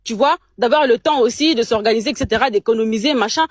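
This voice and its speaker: Woman, Congolese French accent, young adult, indignant, emphatic, high voice. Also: fast, dry recording, studio quality. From Democratic Republic of the Congo. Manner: indignant, emphatic, many repeated words. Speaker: guest on a live chat. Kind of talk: heated casual chat, mixing in Lingala.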